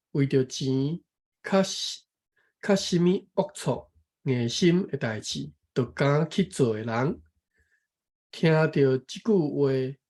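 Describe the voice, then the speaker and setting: A speaker from Taiwan, serving as co-host and reading teacher, reads a text aloud and explains it, carefully correcting pronunciation one syllable at a time. The voice is mid-range with a darkish tone.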